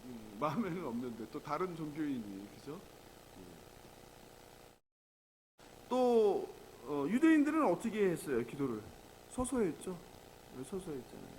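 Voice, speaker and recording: Male pastor, high and animated, chatty sermon full of questions to the room, faint noise under it. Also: moderate pace, long pauses, low-quality recording. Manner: conversational, asks the congregation rhetorical questions. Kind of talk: early morning prayer sermon.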